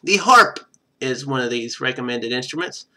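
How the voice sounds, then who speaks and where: A man's voice: medium pitch, animated, normal speed, bright, forceful tone. A man streaming a game, reading its text aloud and thinking through it in casual commentary. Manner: thinks aloud while playing.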